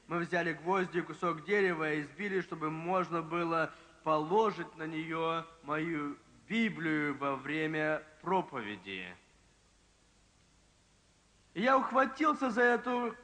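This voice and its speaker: A man preaching a sermon, telling a story with emphasis, slowing down and dropping low at dramatic moments. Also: fairly bright tone. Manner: emphatic, slows and drops pitch for drama. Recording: long reverb from a large hall.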